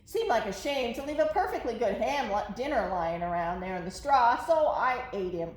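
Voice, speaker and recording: A woman's voice: a little high, lively intonation, moderate pace, reverberant, lightly acted, low-quality recording. A woman voicing a storybook wolf who chattily protests his innocence as he tells his side. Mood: dramatic, innocent. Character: self-justifying folksy wolf telling his side.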